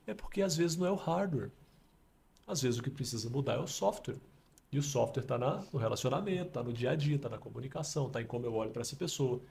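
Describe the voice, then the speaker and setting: A Brazilian man hosting a casual podcast, explaining with emphatic metaphors in an animated way. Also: sits high, gravelly. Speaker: podcast host.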